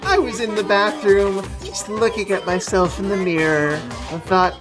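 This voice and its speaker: A woman voicing a falsely sweet talking bear mascot for a video game, making school announcements in a drawn-out sing-song way. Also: mid-range voice, fairly even intonation, lightly acted. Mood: smug, playful. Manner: mock-cheerful, drawn-out sing-song delivery. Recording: music playing behind the voice.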